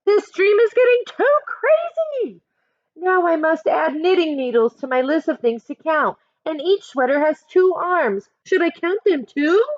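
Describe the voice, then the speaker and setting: Woman voicing an excitable high-pitched counting-obsessed girl. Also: unhurried, no echo, dull audio, exaggerated voice. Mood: overwhelmed. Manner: breathless, exclaiming, dramatic.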